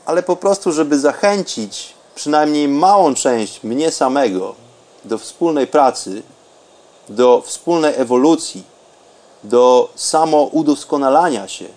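A slightly high-voiced man, a podcast host and meditation guide, speaks calmly and soothingly without rushing, leaving long pauses.

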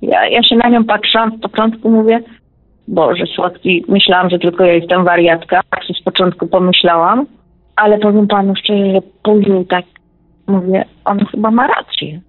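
A woman's voice: medium pitch, fairly even intonation, moderate pace, no echo. Talkative woman on a tinny phone line. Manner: talkative, repeats herself, emphatic. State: widowed, close to tears. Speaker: caller. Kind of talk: emotional personal account. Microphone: telephone.

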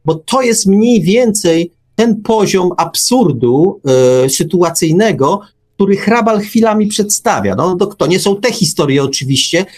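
A man's voice: high voice, lively intonation, unhurried, a little mellow. A man hosting a radio talk show, speaking thoughtfully with frequent hesitations. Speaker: radio host.

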